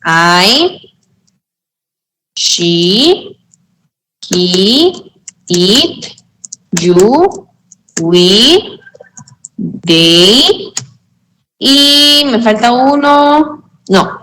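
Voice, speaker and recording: A woman teaching English grammar in a slow, patient way, often checking that students follow. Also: mid-range voice, a bit bright, poor audio. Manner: slow, patient explaining with frequent check-ins. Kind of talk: online tutoring lesson.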